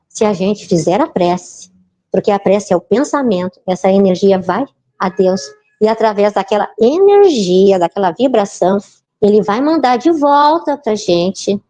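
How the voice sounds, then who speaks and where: A woman giving an informal spiritist talk, chatty and often turning to the audience with quick tag questions. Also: medium pitch, mellow. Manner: chatty, keeps asking the audience "né, gente?". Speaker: spiritist lecturer.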